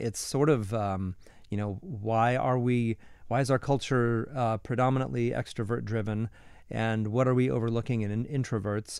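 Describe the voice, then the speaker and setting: Delivered at a moderate pace with ordinary pitch variation, the voice comes through as dry sound with no echo against a quiet background. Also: man. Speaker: teacher reading aloud. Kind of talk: casual book introduction. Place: home room. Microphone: studio mic.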